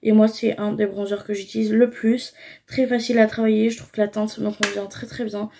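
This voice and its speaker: A woman's voice: medium pitch, level tone, a little fast, vocal fry, darkish tone, slight background noise. A young woman casually talking through her makeup routine, explaining each step with frequent fillers. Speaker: beauty vlogger.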